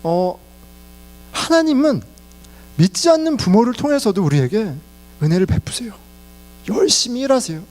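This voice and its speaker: A man's voice: high voice, very animated, moderate pace, long pauses, a little mellow. A middle-aged man preaching a sermon in Korean, telling personal stories and laughing along the way. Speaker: pastor.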